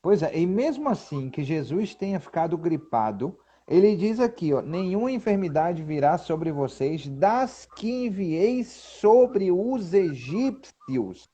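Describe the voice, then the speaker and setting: Male co-host, fairly high, mellow voice; lo-fi recording. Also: slightly rough. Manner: animated, reads scripture aloud slowly with emphasis. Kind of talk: casual Bible discussion. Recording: dull lo-fi sound.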